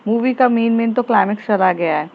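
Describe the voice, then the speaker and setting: A woman's voice: fairly high pitch, brisk, vocal fry, narrow, tinny audio. A woman playing a teasing, nosy young friend.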